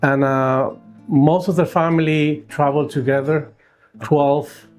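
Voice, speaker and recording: A man in his sixties from Cuba with a Cuban accent and Spanish as his first language, answering interview questions casually and haltingly as a food truck owner. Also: on the high side, fairly even intonation, darkish tone, soft background music. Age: 60s. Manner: halting, searching for words.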